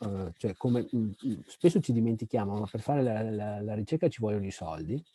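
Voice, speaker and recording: This man has a fairly low pitch, a dark, mellow tone and a somewhat breathy quality, with ordinary pitch variation. He talks at a moderate pace in a Venetian accent. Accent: Venetian Italian. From Veneto, Italy. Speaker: sociology professor and author. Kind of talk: panel discussion. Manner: halting, many fillers and repetitions.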